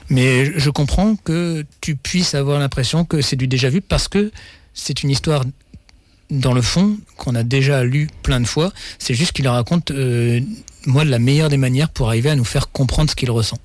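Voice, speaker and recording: Guy talking comics on radio, halting and thoughtful, dry close mic. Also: medium pitch, no room sound. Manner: thoughtful, halting, repeats words. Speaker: comics reviewer. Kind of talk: casual radio chat.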